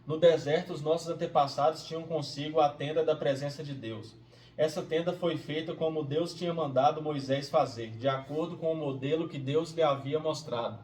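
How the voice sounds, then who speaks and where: A man reading a Bible passage aloud and then reflecting on it as a devotional host, in a steady reading manner that turns quiet and conversational. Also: fairly high pitch, moderate pace. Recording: roomy, distant from the mic, faint hiss.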